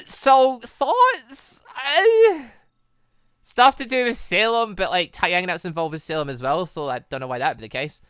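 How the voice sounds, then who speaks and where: A man's voice: high voice, pushed and bright, smooth, no echo, studio quality. A young man doing casual game commentary, rambling and trailing off into nonsense syllables. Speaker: gaming channel host. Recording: music behind the voice.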